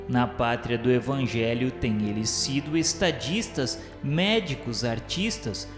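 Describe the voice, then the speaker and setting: Solemn Brazilian male narrator in heavy reverb. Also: medium pitch. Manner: solemn, formal, declamatory. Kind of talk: solemn scripted radio drama narration. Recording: echoey long reverb, music underneath. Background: music.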